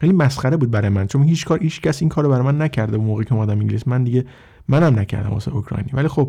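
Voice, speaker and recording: Very fast speech comes from a man with a medium-pitched voice. His pitch varies in an ordinary way. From Iran. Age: 30s. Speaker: YouTuber and programmer. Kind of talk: podcast monologue.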